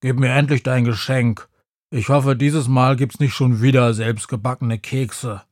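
A man voicing a huge, sulky shadow creature who grumbles in a slow drawl. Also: mid-range voice, fairly even intonation, a little mellow, dry recording, clean studio sound, natural voice.

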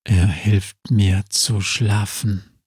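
Weary storybook zombie played by a man, low and slow, dry close sound. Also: level tone, darkish tone, slightly rough, no room sound, heavily acted. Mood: fearful. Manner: slow, low murmur, sometimes whispered.

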